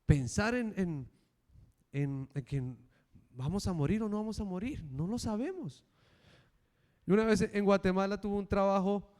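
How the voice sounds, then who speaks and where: Smooth-voiced male preacher in an echoing hall. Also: sits high. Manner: animated storytelling, acting out the characters. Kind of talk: sermon with personal anecdote. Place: church. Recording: reverberant church hall.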